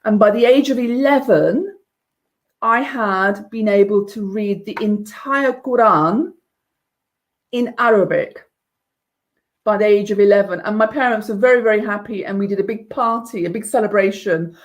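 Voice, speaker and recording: Earnest woman around fifty. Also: medium pitch. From England. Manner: earnest, measured, with some restarts. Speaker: interview guest. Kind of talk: personal testimony in conversation.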